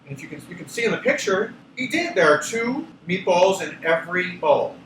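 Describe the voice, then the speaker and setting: A man with a high voice narrates a children's story in a very animated, theatrical way. He sounds a little distant in an echoey room. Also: a little fast, a little hiss or hum. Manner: expressive, theatrical. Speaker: children's book author and co-reader.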